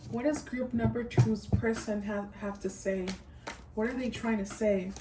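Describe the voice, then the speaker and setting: A woman's voice: a little high, steady tone, measured pace, distant mic, heavy background noise. A woman giving a pick-a-card tarot reading, musing aloud, repeating her phrases and speaking straight to her viewers. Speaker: tarot reader.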